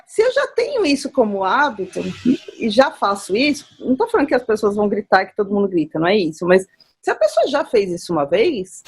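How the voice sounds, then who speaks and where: A woman speaking as a guest in a conversational talk, reflective and growing animated when she acts out examples. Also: medium pitch, brisk, slightly rough. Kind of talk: conversational talk on nonviolent communication.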